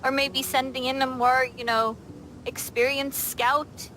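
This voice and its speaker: A woman's voice: sits high, little pitch movement, unhurried, sharp tone, a little hiss or hum. A woman speaking casually in character as a player in a tabletop roleplay session.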